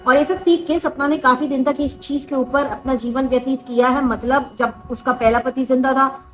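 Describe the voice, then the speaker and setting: A woman's voice: sits high, steady tone, moderate pace, fairly bright tone, low-quality recording. A young woman hosting a reaction channel, talking earnestly in Hindi sprinkled with English phrases. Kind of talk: reaction commentary.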